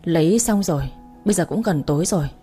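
A woman's voice: on the low side, animated, fast, dark tone, breathy edge, faint music behind. A woman reading a smug young male boss. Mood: teasing.

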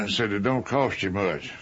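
A man's voice: fairly low pitch, takes it slowly, fairly bright tone, breathy edge. An older American man casually reminiscing in a folksy, plain-spoken way. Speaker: interviewee recalling an old comrade. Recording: dull, noisy archive interview tape.

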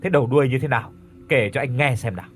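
A man voicing a gruff older village exorcist who gives blunt orders. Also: mid-range voice, quick pace, lightly acted. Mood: commanding. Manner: blunt, commanding.

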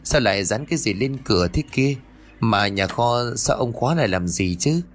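A man's voice: medium pitch, expressive, moderate pace, a little hiss or hum, close to an everyday voice. A man voicing the anxious middle-aged wife of a landowner in a told ghost story, asking meek questions. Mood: puzzled.

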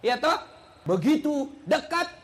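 High-voiced joking preacher. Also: male voice, big pitch swings, unhurried. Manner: joking, teasing, storytelling, bursts of shouting. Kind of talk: humorous sermon.

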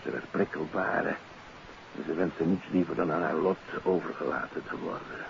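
A man's voice: very deep voice, normal speed, creaky. An actor playing a worried, polite middle-aged doctor and father in a 1950s radio drama, speaking hesitantly and apologetically. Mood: regretful, troubled. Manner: hesitant, apologetic, often tagging sentences with questioning particles. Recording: noisy, muffled old radio recording.

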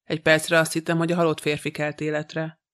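A man reading a novel aloud in the first person, in an even, measured way. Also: on the high side. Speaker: audiobook reader.

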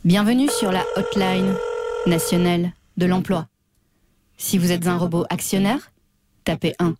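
A woman voicing an automated phone menu in a slow, measured recorded-message tone. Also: on the low side, steady tone, a little mellow, pitched below the performer's own voice. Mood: deadpan.

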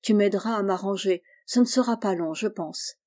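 A woman reading the part of a grateful young man about to marry, speaking quietly and in surprise. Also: high-pitched, normal speed, lightly acted. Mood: bewildered.

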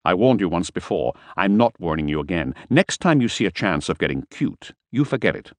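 A man's voice: sits low, big pitch swings, a little fast, no echo. A man reading aloud and voicing a menacing, sarcastic male crime boss, with curt and bullying speech.

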